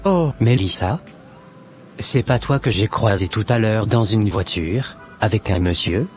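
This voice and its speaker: A man doing an earnest preachy christian guy, lowish voice, music under it. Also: animated, a little slow, darkish tone. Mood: exhorting. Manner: earnest, exhorting. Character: newly converted Christian man, preachy brother.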